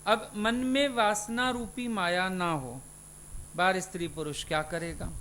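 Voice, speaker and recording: A man's voice: sits high, unhurried, pushed and bright, slight background noise. A man, a spiritual teacher, giving a satsang sermon and putting questions to his listeners.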